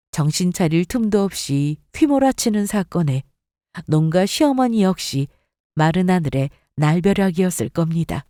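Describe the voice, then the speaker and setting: A woman's voice: fairly low pitch, mellow, no echo, studio quality. A woman narrating a dramatized first-person revenge story in a scornful, emphatic manner.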